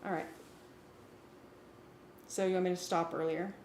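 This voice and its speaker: A woman's voice: on the low side, flat delivery, unhurried, a little mellow, reverberant, slight background noise. A woman chatting casually as a working musician at a rehearsal, asking practical questions.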